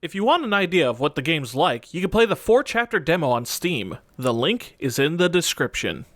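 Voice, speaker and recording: Animated high-pitched man reviewing games. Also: moderate pace, no room sound, clean studio sound. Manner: casual, sweary, exaggerated emphasis. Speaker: video host and game reviewer. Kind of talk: scripted comedic review narration. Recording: music under the voice. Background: background music.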